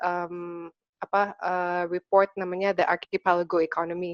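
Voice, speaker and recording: A woman with an English accent speaks at a fairly low pitch, the sound dry and close with no echo. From Singapore. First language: English (speaking Indonesian). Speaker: chocolate company founder. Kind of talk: podcast interview. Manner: halting, many fillers.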